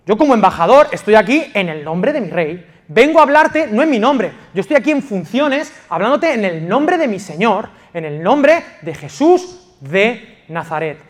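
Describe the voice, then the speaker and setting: A man from Spain preaching a passionate sermon as pastor of a church, swinging from loud emphasis to quiet intimacy. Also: high voice, big pitch swings, moderate pace. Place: church in Valencia.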